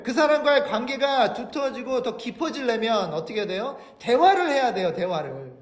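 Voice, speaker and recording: High-voiced man preaching in an echoey church. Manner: explains each point in Korean, then restates it slowly in English; asks the congregation rhetorical questions. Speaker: pastor. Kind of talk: bilingual sermon, Korean with English rendering. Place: church sanctuary.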